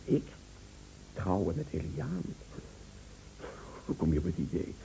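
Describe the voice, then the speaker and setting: Very dark, gravelly, terse male friend. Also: sits low, sing-song, unhurried, heavily acted. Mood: irritated, defensive. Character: husband's old friend, dry, defensive, easily irritated. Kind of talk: radio play acting. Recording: muffled old radio play recording, slight noise.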